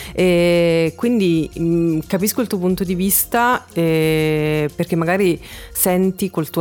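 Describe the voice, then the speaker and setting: This is an unremarkable speaking voice. Its intonation stays fairly even. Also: woman. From Salerno, southern Italy. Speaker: content creator and consultant. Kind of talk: casual interview chat.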